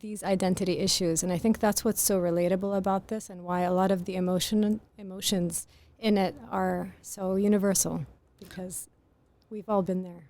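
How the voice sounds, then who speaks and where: A woman with a very soft voice speaks as a podcast guest. She explains her ideas in an earnest, articulate way, at a middle pitch for a woman. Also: steady tone, normal speed, few pauses. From grew up in Greece. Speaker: author guest. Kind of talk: podcast interview.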